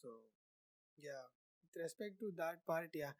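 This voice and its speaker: This young podcast host rambles through casual interview answers, peppering them with "like." He speaks at a measured pace in a voice on the high side, with no room sound in the recording.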